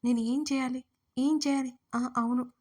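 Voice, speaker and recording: A woman voicing a young woman in an audio story who shouts through her tears. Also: high-pitched, fairly even intonation, moderate pace. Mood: anxious. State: crying. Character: young woman Akruthi, tearful and angry.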